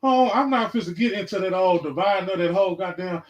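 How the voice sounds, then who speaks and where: A man in his forties hosting a casual livestream podcast, mixing loud, repetitive outbursts with profane, slangy sermon-like talk. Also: high voice, fast, lo-fi sound. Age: 40s. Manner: profane, slangy, calls out viewers. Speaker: podcast host. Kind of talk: casual preaching and chat. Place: livestream, home setup.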